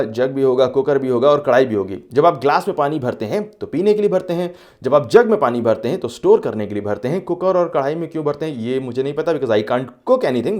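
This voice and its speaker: A man's voice: medium pitch, a little mellow. A man hosting a web tutorial, explaining step by step with everyday analogies and dropping English phrases into his Hindi. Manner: clear, instructive delivery with brief filler pauses. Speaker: tutorial host. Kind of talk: scripted screen-recorded tutorial.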